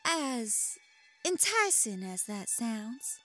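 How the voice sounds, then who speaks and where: A woman's voice: on the high side, very animated, extremely slow, bright, forceful tone, faint music behind, full character voice. An actress playing a feisty, sly young snow woman with a folksy, teasing manner in an audio drama.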